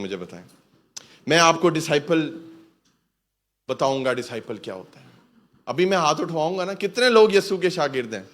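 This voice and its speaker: A man's voice: fairly high pitch, a bit bright. A man preaching as a pastor in a fervent sermon, often calling out hallelujah and mixing in English words. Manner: fervent, calls out hallelujah and asks the church to repeat.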